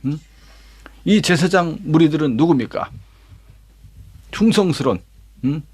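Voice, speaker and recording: A man's voice: fairly high pitch, animated, unhurried, darkish tone, husky. A male pastor telling a Bible story as a lesson, dramatic, with vivid sound words and rhetorical questions. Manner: acts out quoted lines himself.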